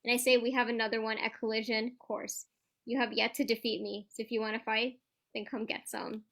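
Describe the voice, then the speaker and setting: A cocky, trash-talking pro wrestling champion, acted by a woman in a staged reading. The voice is fairly high and bright, with a sharp edge. The delivery is boastful and challenging, with occasional stumbles over the script. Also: level tone, brisk.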